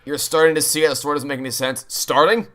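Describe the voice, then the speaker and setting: A man's voice: fairly high pitch, fairly even intonation, racing, smooth. A man giving casual, chatty game commentary in a ranting, exasperated, sweary way. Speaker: gaming streamer playing through a game.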